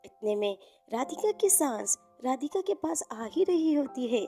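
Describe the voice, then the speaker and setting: A woman narrates a cartoon moral story in a very high, slightly gravelly voice. Her storytelling is plain and steady, with music playing behind her. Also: unhurried. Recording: background music.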